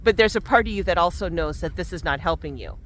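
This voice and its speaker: A woman's voice: fairly low pitch, expressive, fast. A woman talking casually while walking outdoors in cold, windy weather, her lips numb from the cold, chatty and reflective about self-help ideas, often restarting her sentences. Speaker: vlogger.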